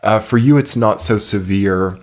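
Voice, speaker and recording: A man's voice: lowish voice, measured pace. A man with a slightly scratchy voice from a cold, giving a casual, rambling monthly astrology forecast with many fillers. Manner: rambling, filler-heavy, reflective. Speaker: astrology reader.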